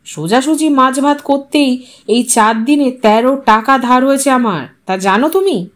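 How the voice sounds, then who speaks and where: A woman's voice: high-pitched, measured pace, a bit bright. A woman voicing a stern, angry husband who is short of money, curt and sarcastic, in a dramatised audio story. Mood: exasperated anger.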